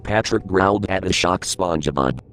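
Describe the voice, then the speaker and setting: A man with a very low voice reads a creepypasta horror story aloud. He keeps a steady, grave tone throughout, letting the dark events land plainly. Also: normal speed. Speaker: narrator.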